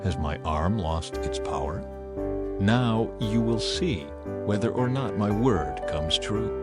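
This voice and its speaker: A man voicing a stern, wrathful God with a measured, authoritative delivery in a dramatized scripture reading. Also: on the low side, expressive, loud music behind the voice, pitched below the performer's own voice. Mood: commanding. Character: God, stern, commanding, wrathful male deity.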